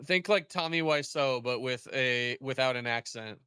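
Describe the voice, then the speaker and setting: A man chatting casually with friends while reacting to a video, amused and a little halting. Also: medium pitch, sharp tone, smooth, no room sound, studio quality. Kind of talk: casual chat.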